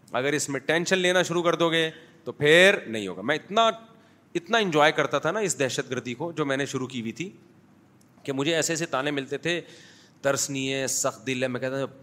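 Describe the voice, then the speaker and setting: A male preacher addresses a congregation in a mosque and speaks frankly with a joking edge. He tells anecdotes and acts out the dialogue as he goes, at an everyday pitch. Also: fairly bright tone. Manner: frank, humorous storytelling with acted dialogue. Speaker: mufti giving a Sunday lecture. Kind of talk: sermon with anecdotes and audience questions.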